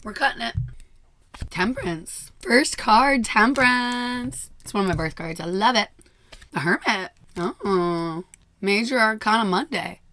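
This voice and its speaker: A hoarse woman who has nearly lost her voice gives a chatty daily tarot reading into a microphone, laughing often. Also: mid-range voice, animated, unhurried, fairly bright tone, a little hiss or hum. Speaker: tarot reader.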